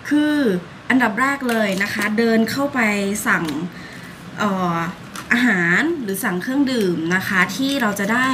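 A woman's voice: fairly high pitch, moderate pace, background noise. A young woman chatting politely and gushing like a fan in a casual vlog, filmed on a phone held at arm's length while she walks outdoors and sits in a café. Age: young adult. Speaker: vlogger. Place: outdoors on a city street and in a café. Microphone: phone camera held at arm's length.

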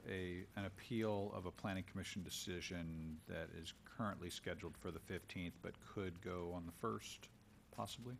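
A man's voice: sits low, steady tone, normal speed, creaky, a little hiss or hum. An American man answering questions as a city official in a council chamber.

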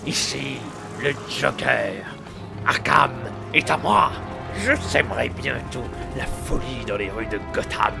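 A man's voice: medium pitch, vocal fry, over music. A man playing a manic, sadistic clown supervillain in a video game fan dub, taunting and theatrical. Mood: menacing, grand. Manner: taunting, drawn-out, swooping delivery.

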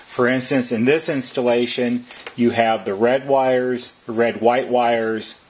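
A man's voice: mid-range voice, steady tone, a little slow, husky. A man narrating a step-by-step how-to as a technician, explaining plainly and methodically. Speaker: repair technician giving instructions.

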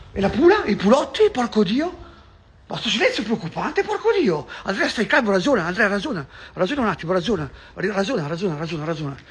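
A man, vlogging outdoors on a city street, agitated and swearing constantly, repeating himself with bursts of shouting. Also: very high-pitched, a little hiss or hum. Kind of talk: ranting street vlog.

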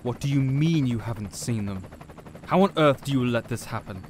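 A man playing a cold, condescending villain mastermind in an audio roleplay, delivering a slow, theatrical monologue. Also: mid-range voice, animated, a little hiss or hum, close to an everyday voice. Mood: irritated, commanding.

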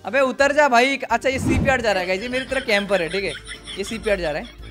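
A young man doing casual, excitable game reaction commentary as a gaming YouTuber, chatting to his viewers and chuckling at the footage. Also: very high-pitched, quick pace, music in the background.

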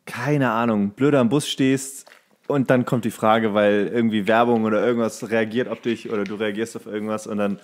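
A man's voice: lowish voice, steady tone, brisk. A man, bantering loosely and colloquially as a podcast co-host. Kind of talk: casual comedic podcast banter.

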